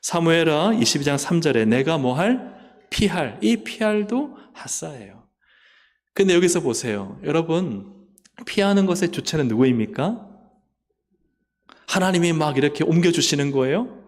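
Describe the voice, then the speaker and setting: Emphatic pastor preaching in a reverberant church. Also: male voice, on the high side, animated, moderate pace. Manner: emphatic preaching, rising to fervent calls. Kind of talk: sermon. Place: church sanctuary. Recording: long church hall reverb.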